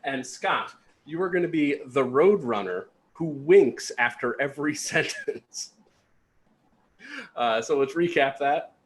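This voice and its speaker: Halting male improv host, slightly low-pitched. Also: lively intonation. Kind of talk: casual game explanation. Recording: noisy video call audio.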